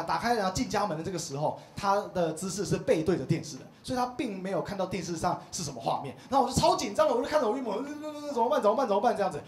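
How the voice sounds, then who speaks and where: A stand-up comic in his thirties tells his stories with a high, lively voice that swoops up and down as he acts out the people in them. The small comedy club gives a roomy echo, with a faint hum of the room behind him. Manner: animated storytelling, acts out quoted voices.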